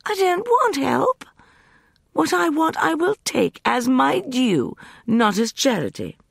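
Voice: high voice, big pitch swings, takes it slowly, gravelly, no room sound, clean studio sound, voice pushed up, full character voice. A narrator voicing an imperious, vengeful young woman with a light, piercing, scornful voice.

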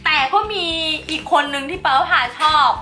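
A woman's voice: high voice, moderate pace, pushed and bright, faint music behind. A woman hosting a casual chat vlog in a chatty, giggly, playful way. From Thailand. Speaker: slime channel host.

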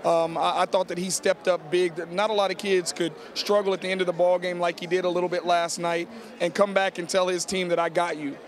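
A man's voice: sits high, flat delivery, a little fast. A middle-aged American man, a basketball coach, answering in a postgame interview on a handheld mic in an arena. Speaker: high school basketball coach. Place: on the court of a large indoor arena. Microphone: handheld reporter microphone held to him.

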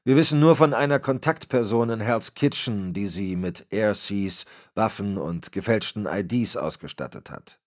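A man's voice: lowish voice, normal speed, hardly any pauses, a little mellow, pitched above the performer's own voice, lightly acted. A man voicing a dutiful male officer reporting to his boss in a deferential way. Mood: tense.

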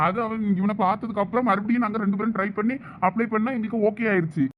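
A man's voice: high-pitched, steady tone, quick pace, a little hiss or hum. A young man acting a husband in a village comedy skit, coaxing and pleading playfully. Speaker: sketch actor. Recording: dull lo-fi recording.

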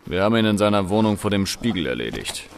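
A brutal thug in a crime audio drama. His voice is low and menacing, with clear noise behind it. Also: very animated, quick pace. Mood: grim, vengeful.

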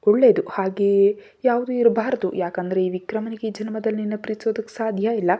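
A gruff, cold young husband barks short, scolding orders, as a woman reads him aloud. The recording sounds dull and lo-fi, and the voice sits at a middle pitch. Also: steady tone, fairly quick, close to an everyday voice. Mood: stern. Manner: curt, scolding, loud. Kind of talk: storybook narration. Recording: dull lo-fi audio.

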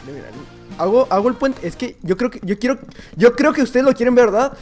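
A young man with a Mexican accent commenting on his own gameplay, excitable and prone to shouts and laughter, muttering to himself between bursts. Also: extremely high pitch, a little fast, soft background music. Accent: Mexican Spanish. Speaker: gaming YouTuber. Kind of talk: live Minecraft gameplay commentary.

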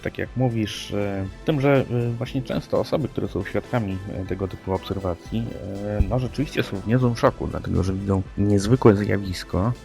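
Male co-host, deep creaky voice, halting delivery, talking over clearly audible music. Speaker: podcast co-host. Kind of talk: unscripted paranormal news discussion. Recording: music playing under the voice.

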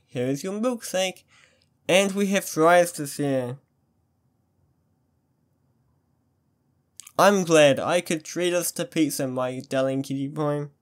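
A man playing an affectionate, playful young boyfriend on a date in an ASMR-style audio roleplay, doting and easily excited. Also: fairly high pitch, close to an everyday voice. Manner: doting, pet names, mock sports commentary.

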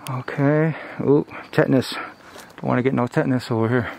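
A man in his thirties hosts an informal exploring vlog with a mid-pitched voice. He talks haltingly, thinking aloud as he walks. The handheld camera audio carries a light layer of ambient noise. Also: steady tone, creaky, darkish tone. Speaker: host exploring abandoned places. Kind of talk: casual exploration vlog, narrating as he goes. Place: outdoors and inside derelict buildings, walking. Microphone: handheld camera at arm's length.

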